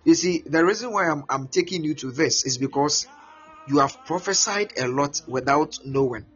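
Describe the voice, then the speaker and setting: Ghanaian male preacher, fairly high voice, halting and repetitive delivery, lo-fi recording. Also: breathy edge. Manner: repeats words, animated, acts out prayers and voices. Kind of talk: teaching sermon. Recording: muffled lo-fi with faint music.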